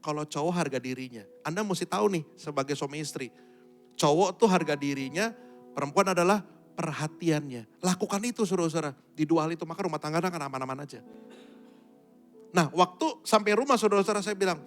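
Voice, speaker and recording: A man preaching a Sunday church sermon, telling stories to the congregation and swinging between quiet asides and loud, emphatic bursts. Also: a little high, lively intonation, fast talker, faint music behind. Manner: keeps addressing the congregation directly. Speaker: pastor. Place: church service.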